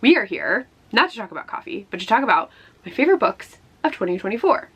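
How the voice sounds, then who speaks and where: A woman with a slightly hoarse voice chats casually like a book vlogger, rambling with self-deprecating asides. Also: mid-range voice, sing-song, fast talker, a bit bright. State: slightly hoarse after flu. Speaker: book vlogger hosting a year-end favorites video. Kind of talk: casual chatty vlog talk.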